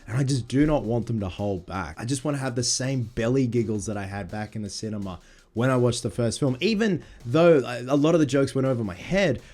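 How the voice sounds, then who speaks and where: Husky, congested man excitedly chatting. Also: medium pitch, brisk. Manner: excitable, swears casually. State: husky, congested from a sinus infection. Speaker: movie vlogger. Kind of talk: casual chat to camera.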